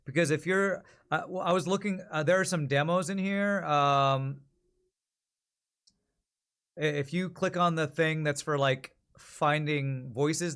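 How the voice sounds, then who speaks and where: A man with a fairly high voice hosts a livestream in a casual, conversational style. He rambles and thinks out loud, working his way through each thought as he talks. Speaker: livestream host.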